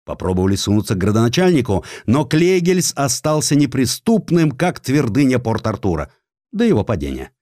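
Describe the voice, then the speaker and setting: A man with a mid-pitched voice narrates history like a radio play. His intonation is highly animated and dramatic. The recording is dry, with no room sound. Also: fairly quick, no room sound. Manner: dramatic, expressive. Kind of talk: theatrical scripted narration of a historical story.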